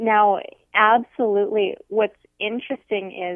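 A woman talks in an ordinary speaking voice at a medium pitch. Her intonation is fairly even. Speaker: women's health doctor. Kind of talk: expert interview.

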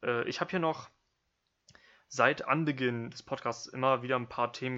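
A man's bright, sharp tone at medium pitch with fairly even intonation and a moderate pace, over a quiet background. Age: 20s. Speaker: podcast host. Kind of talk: casual chat. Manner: halting.

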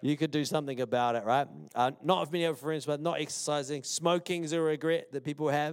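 At a very fast pace, a man talks in an animated tone. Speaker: pastor. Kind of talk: sermon. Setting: church stage with audience.

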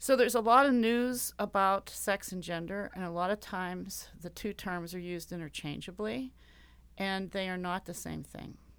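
With an American accent, a woman uses an ordinary speaking voice at medium pitch and moderate pace, with ordinary pitch variation, on a very clean recording with a silent background. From Pennsylvania, Pittsburgh. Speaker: medical research professor. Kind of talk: interview.

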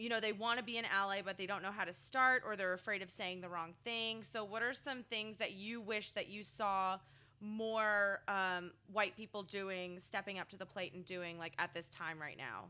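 A normal speaking voice at a moderate pace comes through on a very clean recording with a silent background. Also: woman, medium pitch for a woman, fairly even intonation. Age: 30s. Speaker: beer podcast host. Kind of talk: casual interview chat.

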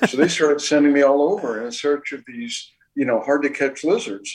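With an American accent, a man with an unremarkable speaking voice talks at a moderate pace and a fairly high pitch. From US South, Louisiana. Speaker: ethnobotanist. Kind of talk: interview.

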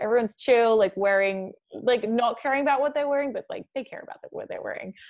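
A woman with an Australian accent, very fast in pace with lively intonation. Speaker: singer-songwriter. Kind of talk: casual interview. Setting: remote call. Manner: animated.

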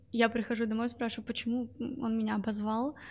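A woman's high voice in a monotone, flat intonation at a fairly quick pace. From Russia, Chelyabinsk. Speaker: engineering graduate, tech company employee. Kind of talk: interview.

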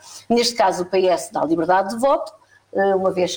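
A woman speaks in a plain, everyday voice. Her intonation is lively and her pace moderate. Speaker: politician. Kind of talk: political debate. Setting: live-streamed studio debate.

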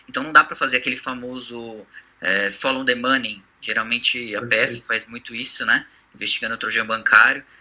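A man speaks at a fairly quick pace and a medium pitch in a monotone, flat intonation, with big swings in loudness. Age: 20s. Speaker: information security specialist. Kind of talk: casual chat. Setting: remote recording.

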